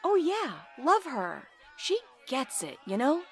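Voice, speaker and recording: A woman's voice: high-pitched, huge pitch swings, slow, faint music behind, full character voice. A woman playing a feisty, cheeky counter-protester in an audio drama, with a breezy informal manner. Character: perky, feisty young female counter-protester.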